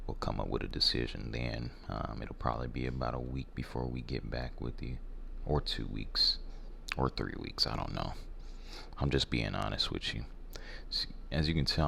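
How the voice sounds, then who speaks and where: Guy doing a rude bored american warehouse boss, asmr soft talk, super crackly fry, bit of background noise. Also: extremely low pitch, full character voice. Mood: blunt, indifferent. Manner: blunt, apathetic, halting delivery. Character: rude, jaded, blunt middle-aged male warehouse hiring manager. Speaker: ASMR role-play performer. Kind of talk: soft-spoken ASMR role-play interview.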